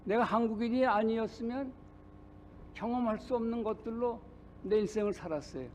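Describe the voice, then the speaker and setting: An older male pastor preaching a sermon, telling a personal story in a halting way with many pauses. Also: extremely high pitch, a little mellow, a little hiss or hum. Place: church sanctuary.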